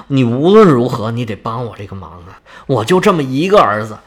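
A man's voice: mid-range voice, sing-song, brisk, voice pushed down. A man doing a wheedling sea-goddess mother. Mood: pleading. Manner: coaxing, whiny, tearful pleading.

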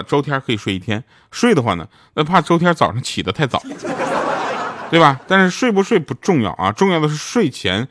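A mid-range-voiced man who performs in radio dramas promotes his show through a casual, chatty monologue of funny stories, laughing at his own punchlines. Background noise can be heard.

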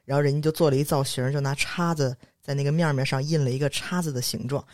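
A man's voice: medium pitch, steady tone, fast talker, a little mellow, no room sound, clean studio sound. A man telling workplace stories in a casual chat. He is blunt, swears freely, and mocks people as he acts out what they said. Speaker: podcast co-host.

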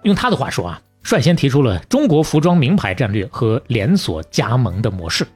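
A man with a Beijing accent and a husky voice narrates like a podcast host chatting with a friend. His pitch swings in an animated way, and his delivery is colloquial and folksy. Faint music plays behind him. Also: a little fast. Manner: colloquial and folksy, with proverbs and acted-out asides. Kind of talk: lively conversational storytelling.

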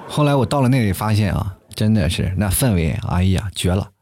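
A young man hosting a comic talk show, telling stories with animated delivery and acting out the people he quotes in a high voice. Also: fairly quick. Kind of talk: stand-up style comic monologue.

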